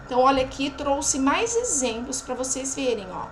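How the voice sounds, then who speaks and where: A woman's voice: high voice, sing-song, a little hiss or hum, poor audio. A Brazilian Portuguese woman teaching a lesson, drawing out example words and checking in with her class after each point. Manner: slow, drawn-out pronunciation of example words. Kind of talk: recorded remote lesson.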